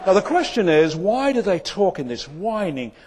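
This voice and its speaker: Speaking to a live audience at an event venue, a Mancunian keynote speaker gives a comic talk in a dry, self-deprecating style. His voice sits high with big pitch swings at a normal pace, and the background is noisy.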